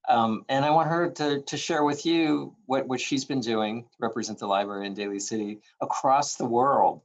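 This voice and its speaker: A man's voice: mid-range voice, moderate pace, highs cut off. A man chairing a public meeting by video call, agreeable and supportive, with hesitant fillers. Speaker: library official leading the meeting.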